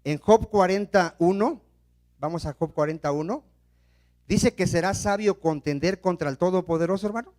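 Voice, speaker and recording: A male pastor preaching a sermon, asking the congregation questions and letting them finish his sentences, moving between loud emphasis and hushed asides. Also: sits high, moderate pace. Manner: call-and-response questions to the congregation.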